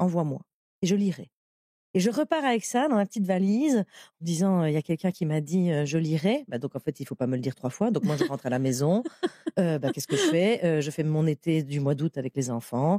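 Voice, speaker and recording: With a dark, mellow tone and fairly low pitch, a woman speaks at a fairly quick pace with lively intonation in a dry, close sound with no echo. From Belgium. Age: 40s. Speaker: comedian. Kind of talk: podcast interview answer.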